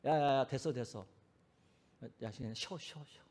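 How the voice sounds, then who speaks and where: A low, hushed jesus, as a preacher acts him out, easygoing and calming, voice drops way down, gently telling his followers to slow down and rest. the lines stay quiet and unhurried. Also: natural voice. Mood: gentle. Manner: soft, hushed, casual speech.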